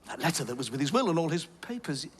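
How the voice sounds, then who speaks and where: A man's voice: fairly high pitch, big pitch swings, fast, breathy edge. An actor playing a knowing older man, a kindly adviser with a wry, chuckling manner. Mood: grave. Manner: wry, laughs warmly as he talks.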